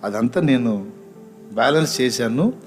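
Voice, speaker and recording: A man's voice: mid-range voice, animated, moderate pace, soft background music, lightly acted. A preacher voicing a patient, forgiving divine father figure who speaks firmly and brushes off protest.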